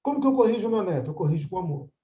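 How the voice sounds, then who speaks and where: Animated older man teaching a class. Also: sits high, rapid-fire, echoey room, highs cut off. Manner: conversational, frequent tag questions. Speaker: course mediator. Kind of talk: religious study class.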